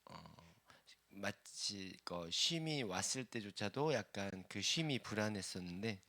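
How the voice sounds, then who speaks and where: A middle-aged church elder sharing his thoughts in a class, speaking with pauses and some hesitation. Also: on the low side, lively intonation, bright, forceful tone.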